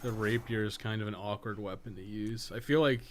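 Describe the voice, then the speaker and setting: A man's voice: lowish voice, fairly even intonation, brisk. A man giving casual livestream commentary on a game, rambling and thinking aloud with blunt opinions and swearing. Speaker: game streamer and guide maker. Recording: clearly noisy background.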